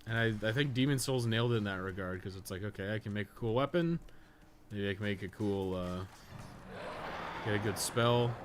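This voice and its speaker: A man with a fairly deep voice talks through a game on his livestream. He rambles casually in slangy language and swears freely. There is a faint layer of ambient noise behind his voice. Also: brisk. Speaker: livestreamer, podcast co-host. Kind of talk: casual gaming stream commentary. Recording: noticeable background noise.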